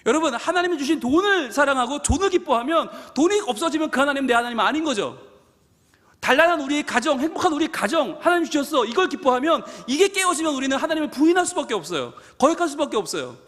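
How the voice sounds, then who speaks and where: Fervent high-voiced male pastor preaching. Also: expressive, quick pace. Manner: fervent, emphatic preaching with repeated phrases. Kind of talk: sermon. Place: church sanctuary at a live midweek prayer service. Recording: live church hall reverb with soft music.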